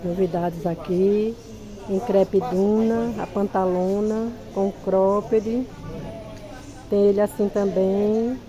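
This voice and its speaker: A woman's voice: medium pitch, steady tone, slow, warm tone, dull audio. A woman with a Pernambuco accent, an easygoing market stall seller showing off her clothes while filming casually at a busy clothing market. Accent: Pernambuco Portuguese. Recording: noisy crowded market.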